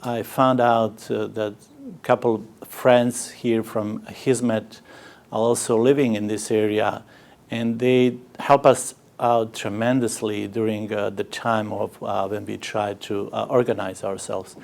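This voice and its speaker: A middle-aged man with a Bosnian accent speaks English, his first language being Bosnian. His voice sits fairly low and has a rough, gravelly edge. He talks haltingly and fills his pauses with frequent "uh"s as he recounts his experiences. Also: little pitch movement, darkish tone. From Bosnia, Sarajevo. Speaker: interviewee, community organizer. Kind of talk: personal testimony in an interview.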